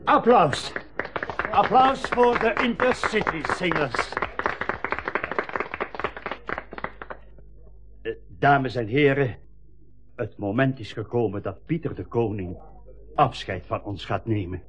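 An actor playing a jovial railway colleague in a radio play, giving a teasing, ceremonial retirement speech. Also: male voice, medium pitch, expressive, a little slow, over music, lightly acted. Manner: ceremonial, jocular public speechmaking.

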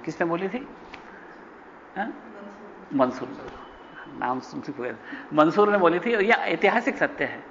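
A man's voice: unhurried, long pauses. Man lecturing in a reverberant hall. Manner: animated storyteller, voices quoted speech with pitch jumps. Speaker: spiritual teacher. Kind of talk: spiritual lecture with storytelling. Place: ashram hall. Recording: dull lo-fi recording with long reverb and faint noise.

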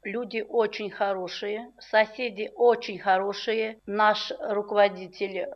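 A woman's voice: mid-range voice, little pitch movement, unhurried. A woman in her fifties from Russia, answering interview questions in short, heartfelt sentences. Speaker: interviewee, village resident. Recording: muffled lo-fi recording.

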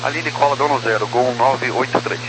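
A man's voice: medium pitch, a little fast, fairly bright tone, soft background music. A man working as an airline pilot, making clipped, procedural calls over crackly aircraft radio. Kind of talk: aviation radio communication. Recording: noisy, humming air traffic radio.

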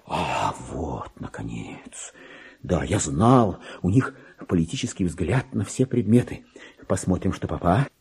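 Very husky, muttering, unhinged clerk. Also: male voice, low-pitched, very animated, a little slow, a little mellow, exaggerated voice. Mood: scornful, impatient. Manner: muttering, brooding, abrupt exclamations. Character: agitated, self-important lowly clerk sliding into madness. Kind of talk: theatrical radio monologue.

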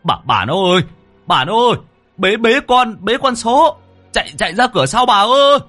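A man narrator voicing a gruff retired old village grandfather who barks and curses. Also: low voice, sing-song, normal speed, a bit bright, dry recording, faint music behind, full character voice. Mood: frantic shouting. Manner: cursing, barking outbursts.

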